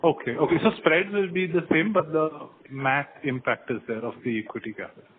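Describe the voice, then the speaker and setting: A man's voice: on the high side, brisk. Man questioning over a noisy phone line. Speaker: analyst caller. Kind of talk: conference call questions. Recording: telephone line with faint noise.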